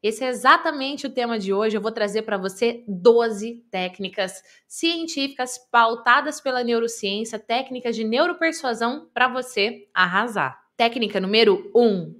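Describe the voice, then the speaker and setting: A woman with a Brazilian Portuguese accent, coaching public speaking to camera in an emphatic, deliberate way that repeats key phrases. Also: a little high, expressive, a bit bright. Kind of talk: presenter-style teaching to camera. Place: indoors, filmed talking to camera.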